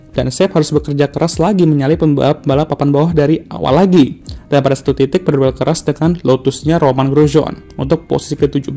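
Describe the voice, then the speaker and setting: A man's voice: a little high, dark tone. A man recapping a motor race in a casual, joking, slang-filled way, like a YouTuber talking to his viewers. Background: faint background music.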